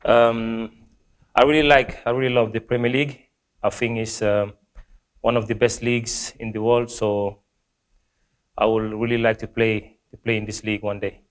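A young man from Gambia, a football player, reads out fan questions and answers them with many pauses, fillers and restarts. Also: on the low side, steady tone. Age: young adult. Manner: hesitant, many ums and restarts. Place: small plain indoor room.

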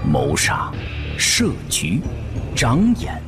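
A man's voice: medium pitch, wildly swooping pitch, drawn-out words. A man delivering a dramatic, scripted trailer-style introduction to an audiobook. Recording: music under the voice.

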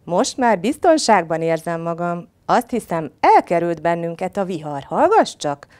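A woman's voice: lowish voice, sing-song, a little mellow. A woman voicing a clever male rabbit in a storybook tale, urgent and coaxing. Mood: sly. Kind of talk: storybook reading.

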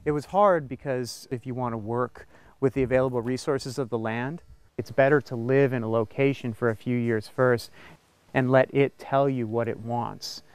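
A man's voice: mid-range voice, fairly even intonation, moderate pace, clean tone, no room sound. A man in his forties, a farmer and craftsman, explaining his handmade off-grid setup step by step while walking around his small farm, indoors and out. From United States. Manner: earnest, practical, explains step by step. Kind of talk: casual explanatory tour.

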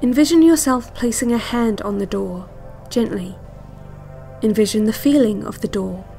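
A woman playing a calm, controlling instructor on a guided visualization cassette, speaking slowly in a measured, clinical way. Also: on the high side, vocal fry, faint music behind. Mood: calm, controlled. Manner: slow, measured, clinical, hypnotic. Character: calm, controlling female relaxation-tape instructor.

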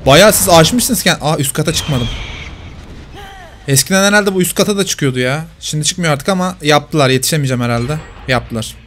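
A man's voice: fairly high pitch, moderate pace, fairly bright tone, a little hiss or hum. Man teasing as he plays. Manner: talks to the players he hunts, teasing. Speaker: gameplay commentator. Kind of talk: live game commentary.

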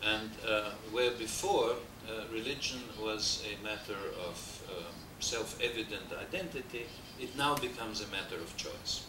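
A man's voice: lowish voice, a little slow, few pauses. An older man from Austria with an Austrian German accent, giving an academic lecture at a desk microphone, hesitating often and adding dry asides. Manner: discursive, frequent hesitations, dry humor. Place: wood-paneled lecture hall. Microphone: desk mic on stand. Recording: roomy, distant, noisy VHS transfer.

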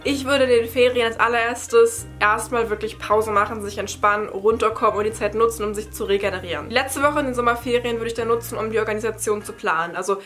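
A young woman from Berlin speaks in a fairly high, bright voice. She explains things in a chatty, informal way, as a study-advice vlogger would when answering questions to camera at home. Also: fairly even intonation, fast, few pauses, faint music behind. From Berlin, Germany. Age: young adult. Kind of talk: casual Q&A chat to camera. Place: bright attic room at home.

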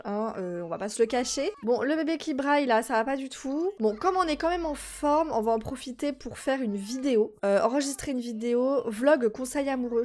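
A woman in her twenties from France, chatting casually and exclaiming to her viewers as she plays a life-simulation game. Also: a little high. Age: 20s. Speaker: gaming YouTuber. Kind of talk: casual let's-play commentary.

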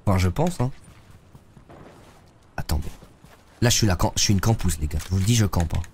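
Low-pitched and animated, a young adult man speaks a little fast with a slightly mellow tone, and a little hiss or hum sits in the recording. He's in his streaming room, seated in a gaming chair, playing a game live and bantering with chat in slang despite a head cold clogging him up.

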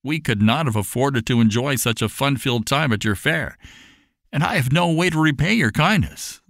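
Male reader as grateful family father, humble, courteous, earnest, storybook, lively intonation. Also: mid-range voice, normal speed, no room sound, studio quality, pitched above the performer's own voice.

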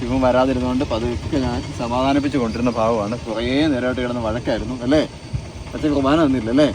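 This man, a family vlogger, talks fast in a steady, medium-pitched voice, rambling chattily to viewers. He records on a handheld phone beside a car outside after church, with background noise audible.

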